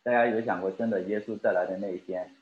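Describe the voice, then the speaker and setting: A man with a lowish voice gives a sermon, talking straight to the congregation and putting questions to them. The sound is roomy and echoing, and the recording is dull and lo-fi. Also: steady tone, fast talker. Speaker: preacher.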